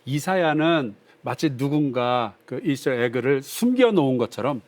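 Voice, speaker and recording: A male pastor teaching a Bible class on broadcast, reading scripture aloud and explaining it in a lively, conversational way. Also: mid-range voice, normal speed. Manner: reads scripture aloud, acts out drunk voices playfully.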